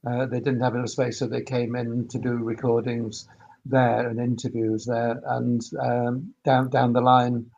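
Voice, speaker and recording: A man's voice: mid-range voice, level tone, a little slow, vocal fry, darkish tone, dull audio. A man talking casually as a panelist on a webinar, with hesitant, stop-start phrasing. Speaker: workspace operator and former sound engineer.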